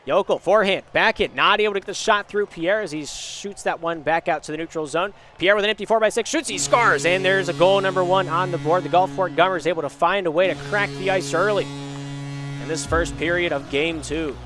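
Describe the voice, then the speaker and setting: Hoarse after a week of illness, a young man calls esports action live, his high-pitched voice occasionally cracking. He talks a little fast and surges with energy on shots and goals while music plays in the background.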